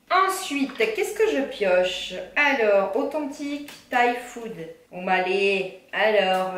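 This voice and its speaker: Fairly high-voiced woman unboxing stuff at home, chatty, reads labels out, roomy echo. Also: a bit bright. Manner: chatty, reads ingredient lists with fillers and self-corrections. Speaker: vlogger unboxing a food box. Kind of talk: casual unboxing chat, reading labels aloud. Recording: echoey room, faint background noise.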